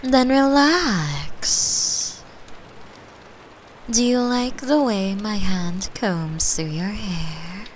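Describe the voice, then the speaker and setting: A woman performs a gentle being from another dimension, lonely and tender, in a comforting ASMR roleplay. Her words come extremely slowly, breathy and soft, often sinking into whispers. A faint rain-like ambience sits behind the voice. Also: medium pitch, lively intonation, slight background noise, poor audio. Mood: soothing, tender.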